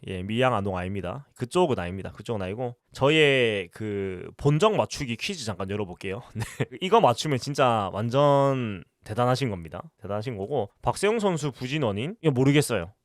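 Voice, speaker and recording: Busan guy rambling on a fan livestream, busan accent, quick and bouncy, dry close mic. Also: medium pitch, no room sound. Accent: Busan Gyeongsang dialect with western Gyeongsang touches. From Busan, South Korea. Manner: talkative, reads out and answers chat questions, many fillers. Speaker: livestream host. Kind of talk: casual livestream chat answering viewer comments.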